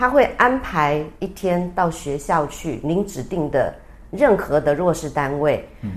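A woman speaks very slowly in a fairly low voice. Her pitch swings very widely. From Penghu, Taiwan. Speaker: interior designer and restaurant owner. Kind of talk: interview.

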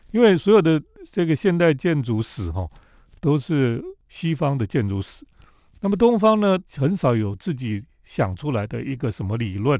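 Against a quiet background, a man with a Taiwanese accent and a fairly high pitch speaks in a relaxed tone, his pitch swinging very widely. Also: moderate pace. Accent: Taiwanese Mandarin. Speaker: architecture commentator, radio host. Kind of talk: solo radio talk. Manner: relaxed, many filler particles.

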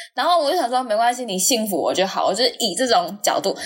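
A woman's animated, very fast speech, high-pitched with very wide pitch swings, over noticeable background noise. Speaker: podcast host. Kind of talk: casual chat. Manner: animated, joking.

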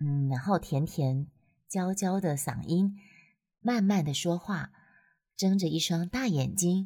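Fairly low-pitched, somewhat breathy woman at a very slow pace, with lively intonation. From Taiwan, countryside. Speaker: livestream host and voice actor. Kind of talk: casual livestream chat. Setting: online livestream room.

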